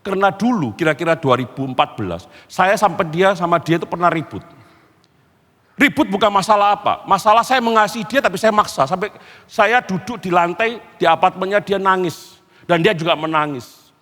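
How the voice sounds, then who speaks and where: A middle-aged man with a Surabaya Indonesian accent delivers a sermon, acting out conversations with his family. His voice sits high and leaps up and down constantly. A long reverb trails each phrase, as in a large church hall. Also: brisk. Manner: animated storytelling, acting out family dialogue. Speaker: pastor.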